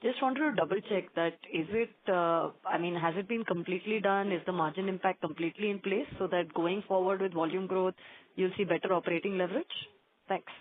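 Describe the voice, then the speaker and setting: Fast-talking woman on the phone. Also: on the low side, a crowd in the background. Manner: polite, addresses executive as sir. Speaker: analyst asking questions. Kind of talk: conference call questioning. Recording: narrow phone line.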